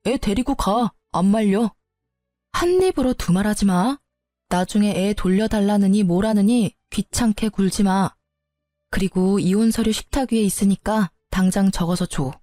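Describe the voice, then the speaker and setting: A woman plays a young husband in a storybook tale, defensive and scornful, snapping back in a mellow, low-key voice. The sound is dry and close, with faint music behind. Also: moderate pace, no echo, natural voice. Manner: argumentative, sneering.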